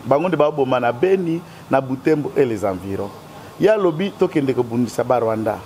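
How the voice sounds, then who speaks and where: A man's voice: medium pitch, lively intonation, fairly quick, warm tone, slight background noise. A man with a Congolese French accent, a guest in a political interview, speaking in an emphatic, argumentative way.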